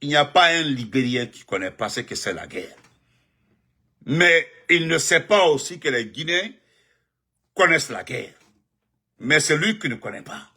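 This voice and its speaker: A man, giving animated live-stream political commentary and greeting viewers, repeating himself and jumping up in pitch when he stresses a point. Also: moderate pace, long pauses. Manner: excited, repetitive, pitch jumps up sharply when emphatic.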